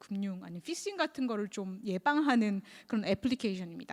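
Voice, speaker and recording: In a very clean recording with a silent background, a woman's pitch swings very widely. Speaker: insurance researcher presenting at forum. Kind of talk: conference presentation.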